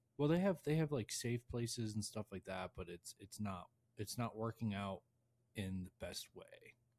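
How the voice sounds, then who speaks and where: A plain, everyday voice, this man speaks with an American accent at medium pitch and moderate pace, his intonation lively. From upstate New York (Baldwinsville). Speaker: podcast host, police officer. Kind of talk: casual chat. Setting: studio.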